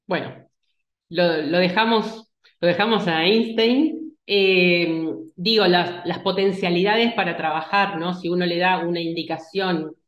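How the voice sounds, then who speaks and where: A woman's voice: fairly low pitch, fairly even intonation, a little slow, reverberant. A woman giving a lecture, talking hesitantly with restarts and checking in with her listeners. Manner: hesitant, many restarts and fillers, asks "¿sí?". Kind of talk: online lecture.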